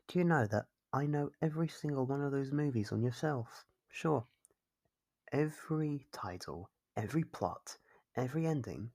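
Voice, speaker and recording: A performer acting out an obsessive stalker for an ASMR roleplay, in a husky, gravelly voice of middling pitch. The captor coaxes and chides like a doting owner, possessive and smug, drawing out teasing little questions. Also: a little mellow. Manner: coaxing, chiding, drawn-out teasing questions. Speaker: voice actor.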